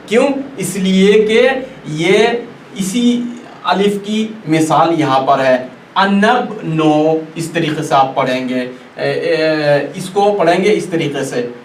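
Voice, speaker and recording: A man teaching a Quran recitation class, patiently repeating and stretching out each example word. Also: a little high. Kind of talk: classroom lesson. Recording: echoey room, distant mic, faint noise.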